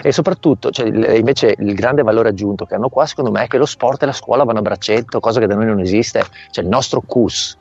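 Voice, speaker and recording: A man's voice: lowish voice, fast talker, gravelly, hardly any pauses, a little mellow, slightly rough, dry recording. Man talking over a remote call line. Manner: explanatory, often asks "capito?". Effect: heard over a remote call line. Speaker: volleyball coach. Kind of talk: remote interview. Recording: dull lo-fi call audio, faint music.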